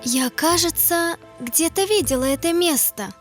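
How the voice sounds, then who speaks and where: A woman's voice: very high-pitched, lively intonation, unhurried, soft background music. A woman playing a wise, sensible girl adventurer in a children's cartoon. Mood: thoughtful.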